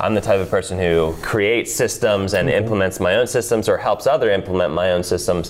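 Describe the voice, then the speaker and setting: Amid noticeable background noise, a man with an American accent talks at a very fast pace, with hardly any pauses and very even loudness. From Pennsylvania, US. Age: 30s. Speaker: YouTube video creator and filmmaker. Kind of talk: interview.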